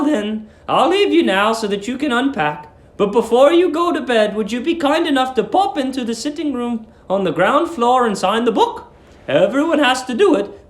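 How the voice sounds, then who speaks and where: A man voicing a sweet, fussy middle-aged English landlady in a storybook reading, eerily kind, with drawn-out, gushing phrases. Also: very high-pitched, roomy sound, voice pushed up. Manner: drawn-out, gushing, cooing delivery.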